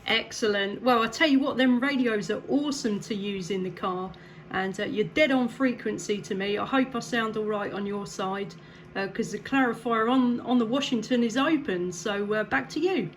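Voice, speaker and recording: A woman's voice: fairly high pitch, moderate pace. A woman CB radio operator making casual contact chat in an upbeat, encouraging way. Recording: clear background noise.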